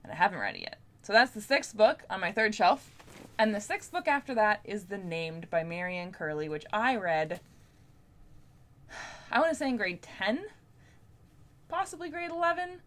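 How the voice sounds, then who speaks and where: A woman's voice: mid-range voice, very animated, moderate pace, long pauses, a bit bright. A woman with a Canadian accent chatting casually to viewers as a book vlogger, informal and talkative. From Ontario, Canada. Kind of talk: casual chat to camera.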